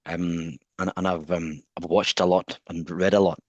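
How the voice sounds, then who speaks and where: Male interviewer, deep voice, frequent stutter, thoughtful delivery. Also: little pitch movement, moderate pace, no echo, muffled recording. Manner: stutters, with repeated words and blocked sounds; thoughtful, searching for words. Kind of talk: conversational interview.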